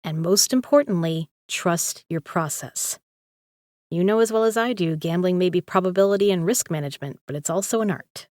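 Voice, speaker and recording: A woman's voice: lowish voice, normal speed, darkish tone, dry recording, studio quality, close to an everyday voice. A woman playing a tough, guarded poker legend in an audio drama, with a blunt, sardonic way of talking. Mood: coaching, encouraging.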